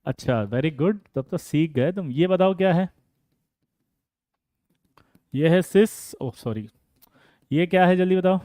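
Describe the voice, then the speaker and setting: Male chemistry tutor, bright high register, teasing and fast-prompting, dry close-mic sound. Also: dry recording. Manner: playful, teasing students by name, rapid "jaldi batao" prompts. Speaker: chemistry teacher. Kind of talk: energetic online exam-prep lesson.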